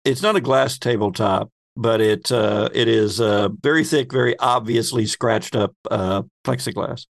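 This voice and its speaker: A man's voice: mid-range voice, measured pace, creaky, hardly any pauses, no echo, studio quality. A man narrating a tabletop roleplaying game as game master, describing scenes in a wry, conversational way.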